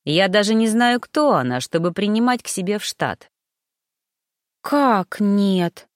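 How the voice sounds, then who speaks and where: A woman narrating a first-person story aloud, reading a gruff man's thoughts with expression. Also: medium pitch, sing-song, moderate pace, no echo, studio quality. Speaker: audiobook narrator.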